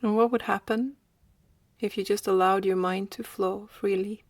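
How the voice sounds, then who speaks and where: A woman leading a guided meditation in a slow, gentle manner with long pauses. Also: mid-range voice, fairly even intonation, no echo.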